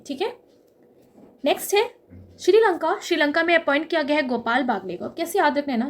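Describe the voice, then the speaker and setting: A young woman with a high voice teaches an exam-prep lesson built on memory tricks. She explains each trick step by step, checks in often with the listener, and draws out key words to make them stick.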